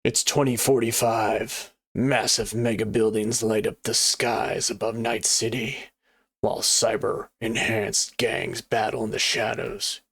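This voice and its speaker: A man putting on the voice of a dramatic movie-trailer announcer, reading in a slow, drawn-out, ominous way. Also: on the low side, creaky, fairly bright tone, breathy edge, exaggerated voice.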